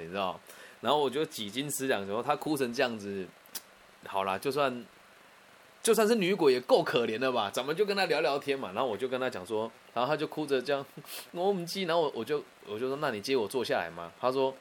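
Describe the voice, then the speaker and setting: Man, Taiwanese Mandarin accent, quick casual storytelling, chatty with restarts, faint background hiss. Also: mid-range voice. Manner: chatty, animated, frequent restarts and asides.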